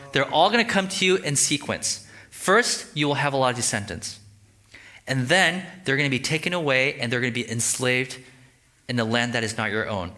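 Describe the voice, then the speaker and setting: Bright-voiced man preaching casually. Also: mid-range voice. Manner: conversational, animated, acts out quoted voices. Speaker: pastor. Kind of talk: sermon. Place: church sanctuary.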